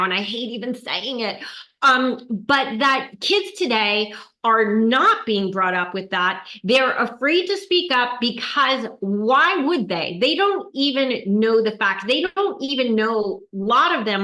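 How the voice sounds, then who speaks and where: A woman in her fifties hosting an interview, speaking earnestly and emphatically in quick bursts. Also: on the high side, pushed and bright. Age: 50s. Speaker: host, yoga teacher. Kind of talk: conversational interview. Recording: roomy echo.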